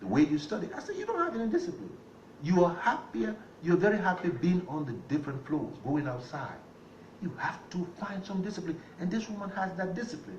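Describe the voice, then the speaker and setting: A man with a high voice talks at a moderate pace, his intonation lively. Noticeable background noise and audible room echo surround him. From Liberia. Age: 60s. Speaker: politician, presidential candidate. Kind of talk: radio interview.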